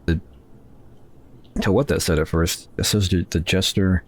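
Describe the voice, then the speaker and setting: A man narrates his way through a horror game, rambling and joking at his own expense as he reads the on-screen text aloud. His voice sits a touch low, with easy, casual pacing. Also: steady tone, a little slow. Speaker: gaming channel host. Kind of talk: casual let's play commentary.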